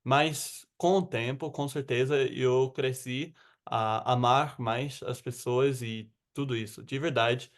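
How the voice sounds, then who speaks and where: A man's voice: medium pitch, slow pace. An American man who speaks learned Portuguese with a Rio accent, chatting casually and a bit rambly as an interview guest. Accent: American, with Rio de Janeiro Portuguese. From United States. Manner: relaxed, rambling with fillers.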